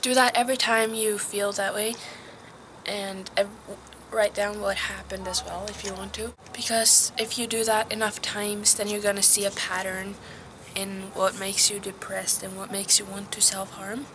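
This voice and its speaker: A teenage girl from Norway, giving casual advice in a vlog recorded outdoors. She talks softly and hesitantly, sometimes dropping to a whisper. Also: mid-range voice, little pitch movement, moderate pace, noisy background. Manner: soft, hesitant, drops to a whisper at times. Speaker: vlogger.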